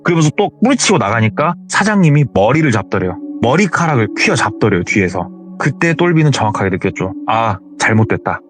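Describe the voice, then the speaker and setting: A man's voice: mid-range voice, sing-song, fast talker, hardly any pauses, faint music behind. A man animatedly retelling a scary true story in a dramatic way.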